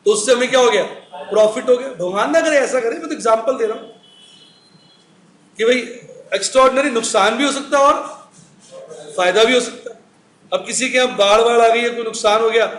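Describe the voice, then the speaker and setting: A man's voice: extremely high pitch, fairly bright tone. A middle-aged man teaching accounts in a recorded classroom lecture, chatty, asking the class questions and answering them himself. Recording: echoey room with faint noise.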